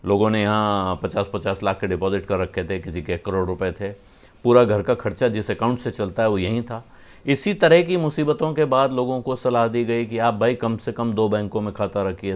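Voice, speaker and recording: A man giving conversational business news commentary, explaining financial terms and pausing often with "uh". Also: fairly low pitch.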